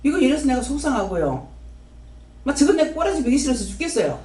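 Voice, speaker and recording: Animated Gyeongsang woman preaching. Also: high-pitched, fast. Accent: Gyeongsang Korean. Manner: animated, folksy, acts out her prayers and God's answers. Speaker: preacher at a prayer house. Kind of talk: sermon. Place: prayer house hall. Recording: roomy and distant from the mic.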